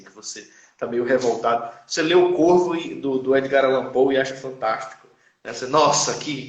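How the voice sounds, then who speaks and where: Brazilian male teacher, easy explainer, roomy recording. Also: medium pitch. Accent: Brazilian Portuguese. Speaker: guest, teacher. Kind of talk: casual chat. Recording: roomy echo.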